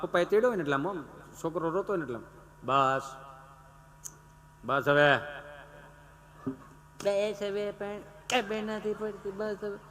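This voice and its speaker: Gujarati male stage comic, animated and bright-toned, plays every character himself. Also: a little high, a little hiss or hum. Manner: animated, acts out village characters in raised voices. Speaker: stage comedian. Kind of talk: folk stand-up storytelling.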